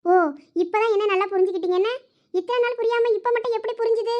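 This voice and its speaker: A woman playing a proud, tearful young wife; thin, very high voice, Thoothukudi Tamil accent. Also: steady tone, fast talker, mellow, dull audio. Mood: sulky. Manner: reproachful, insistent. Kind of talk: cartoon voice acting.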